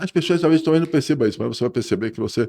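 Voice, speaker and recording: A dark, mellow tone carries the voice. The background is silent on this very clean recording. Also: man. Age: 60s. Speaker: podcast host. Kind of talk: conversational interview. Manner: animated.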